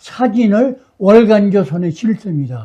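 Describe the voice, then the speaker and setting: A dark, mellow tone moves at a fairly slow pace with lively intonation against a quiet background. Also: man. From South Korea, South Chungcheong. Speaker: former intelligence officer. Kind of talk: interview testimony. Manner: animated.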